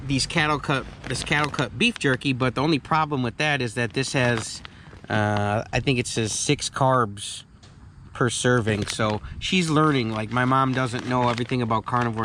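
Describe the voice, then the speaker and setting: Casting: male vlog host, thirties, casual chat, mid pitch, slight background noise. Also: moderate pace. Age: 30s.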